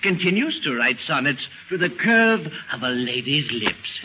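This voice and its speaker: A man playing a witty, flattering gentleman courtier with florid, theatrical delivery in a 1930s radio drama. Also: medium pitch, a little slow. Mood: amused. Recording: scratchy, phone-like 1930s radio recording.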